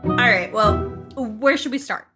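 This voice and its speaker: Female tavern adventurer, acted by a woman: high voice, unhurried, offhand heroics, comic fantasy. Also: over loud music, natural voice. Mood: matter-of-fact. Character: tough yet casual female tavern adventurer. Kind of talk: amateur comic fantasy skit.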